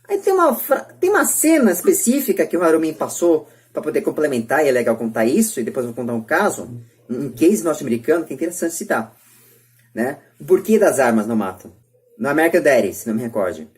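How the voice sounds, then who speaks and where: Low, animated Brazilian woman podcaster. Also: fast. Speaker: podcast host. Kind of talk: casual debate talk.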